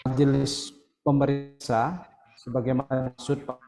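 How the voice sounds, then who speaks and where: A man commenting in an online discussion, speaking haltingly while his audio keeps cutting out over a bad connection. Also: mid-range voice, flat delivery, warm tone, faint music behind. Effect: audio cutting out over a bad call connection. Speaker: discussion participant. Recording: far off on a choppy video call.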